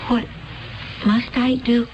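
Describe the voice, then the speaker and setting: Bewildered innocent from a future world, high-pitched, earnest, questioning, 1970s radio drama, dull noisy recording. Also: female voice, level tone, slow, a little mellow. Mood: uneasy, yielding. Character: innocent, troubled woman of a serene future world.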